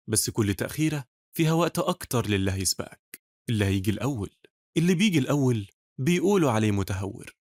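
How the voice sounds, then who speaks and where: A man's voice: medium pitch, no room sound. A man with an Egyptian accent delivering scripted advertising voice-over as a commercial voice artist, recorded in a studio.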